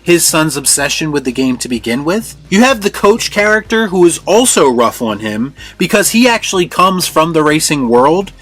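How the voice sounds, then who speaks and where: A man delivers scripted review commentary as a host. His voice sits a little high for a man, with light music playing underneath. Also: sing-song, moderate pace, hardly any pauses, fairly bright tone. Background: background music.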